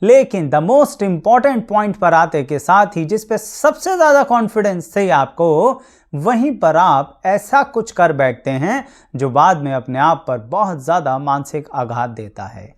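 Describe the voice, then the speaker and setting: A man talks as an astrologer to his viewers in a steady explanatory style. He keeps things practical and simple, walking through everyday examples. English words slip easily into his speech. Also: a little high, unhurried. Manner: mixes English words into Hindi.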